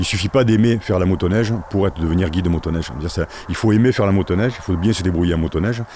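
Speaking at a very fast pace, a man with a very deep, low pitch and ordinary pitch variation is heard over noticeable background noise. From France. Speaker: adventure tourism business owner. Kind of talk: interview.

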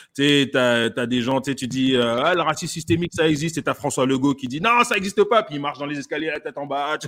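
A man with a fairly high voice talks at a very fast pace with lively intonation and hardly any pauses. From France, Paris suburbs. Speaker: comedian. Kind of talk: casual chat.

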